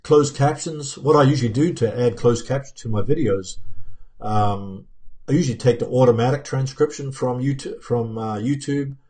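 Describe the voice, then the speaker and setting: A mid-range, darkish voice at a moderate pace belongs to a man in his fifties hosting a YouTube channel. He originally has a New Zealand accent, now softened from years in America. In a casual live Q&A from his indoor home office with plants and pictures, he answers the chat with many fillers and restarts, shown by a desk webcam.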